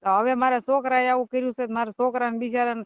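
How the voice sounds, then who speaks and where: A woman's voice: on the high side, flat delivery, fast, smooth. A middle-aged woman with a Kathiyawadi Gujarati accent, speaking plaintively and informally as a caller on the phone. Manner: plaintive, recounting hardships. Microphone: phone call. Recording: band-limited phone call recording.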